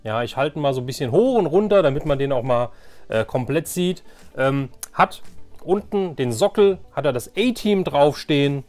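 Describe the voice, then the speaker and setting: A man's voice: fairly high pitch, lively intonation, moderate pace, a little mellow, soft background music. A man chatting casually and enthusiastically to viewers as he hosts a collecting video, often repeating words for emphasis. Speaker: host of a toy collecting video channel.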